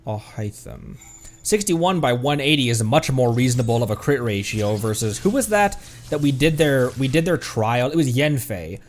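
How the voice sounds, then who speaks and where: A man's voice: medium pitch, expressive, moderate pace. A man doing casual gameplay commentary as a streamer, chatty and thinking aloud. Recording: game music behind voice. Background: video game music.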